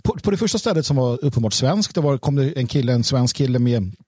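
A man hosting a casual discussion, with a husky, breathy edge to his voice. He speaks haltingly, restarting and repeating words as he works through an anecdote. The sound is dry and close. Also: mid-range voice, lively intonation, a little mellow, no echo. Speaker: host.

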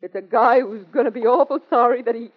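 A woman's voice: a little high, fast talker, lightly acted. An actress playing a tough-talking young woman with slangy, streetwise speech, in 1940s radio acting. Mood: conspiratorial. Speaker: anonymous telephone informant. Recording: dull old radio broadcast.

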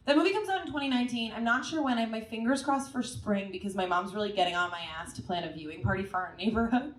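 A woman's voice: fairly high pitch, fast. A woman, a comedian guest, joking and rambling while she laughs through her stories. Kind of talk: casual chat on a live show. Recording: echoey room, voice from far off mic.

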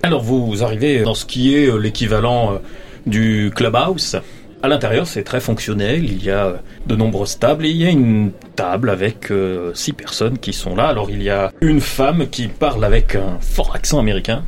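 A man's voice: on the low side, animated, moderate pace. A man narrating a tabletop role-playing game as game master, descriptive and full of hesitations.

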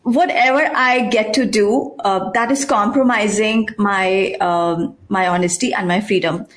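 A woman's voice: mid-range voice, steady tone, unhurried. Earnest Indian woman telling her story. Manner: earnest, reflective, many fillers and "right?". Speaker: podcast guest. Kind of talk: personal storytelling in an interview.

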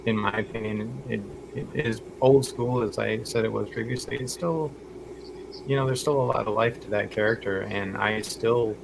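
A man's voice: on the low side, steady tone, normal speed, vocal fry. A man speaking as a podcast guest, earnest and rambling, on a noisy recording. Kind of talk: casual chat.

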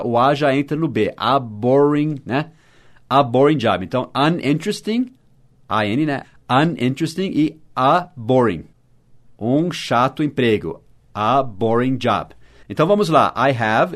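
A Portuguese-speaking man hosting a short podcast lesson, explaining slowly and spelling words out letter by letter. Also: medium pitch. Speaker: English teacher.

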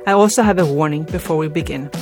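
A woman's voice: sits low, quick pace, a little mellow, soft background music. Swedish-accented woman hosting a podcast. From Sweden. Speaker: podcast host. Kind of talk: scripted intro and interview questions.

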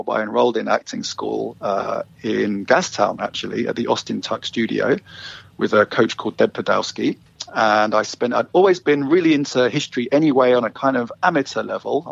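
A man's voice: medium pitch, gravelly, slightly rough, no echo. A middle-aged man with a London accent, chatting as an interview guest about how he started a walking tour business. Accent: London English. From England. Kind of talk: casual interview storytelling. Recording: slightly dull lo-fi sound.

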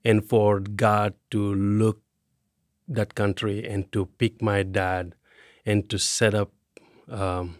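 A man from Senegal with a Senegalese accent, a guest sharing his story in a halting, deliberate way. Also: fairly low pitch, level tone, no room sound, studio quality. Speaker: podcast guest. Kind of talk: personal testimony in conversation.

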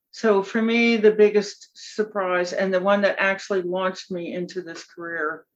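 A woman in her seventies, a nutrition expert speaking as a guest in a podcast conversation, talking with animated, emphatic enthusiasm. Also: mid-range voice, highs cut off. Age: 70s.

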